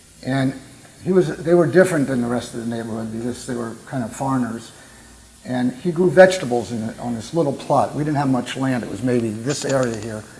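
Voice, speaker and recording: A man speaks with an American accent at a fairly quick pace. Noticeable background noise runs underneath. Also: medium pitch for a man, ordinary pitch variation. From Philadelphia, US. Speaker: natural food store founder. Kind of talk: talk to an audience. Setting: talk at a spiritual center.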